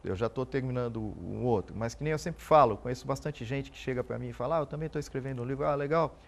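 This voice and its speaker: Gravelly Brazilian police officer guest. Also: male voice, mid-range voice. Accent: Brazilian Portuguese. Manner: earnest, halting, repeats words while thinking. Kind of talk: TV interview answers.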